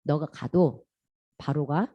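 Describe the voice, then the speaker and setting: A woman's voice: sits low, takes it slowly, lo-fi sound, voice pushed down. A woman voicing God in a children's Bible story, speaking firm, declaring commands to a prophet.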